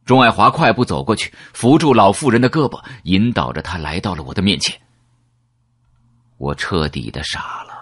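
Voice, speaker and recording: Low husky male audiobook narrator. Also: a bit bright, no room sound. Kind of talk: first-person audiobook narration.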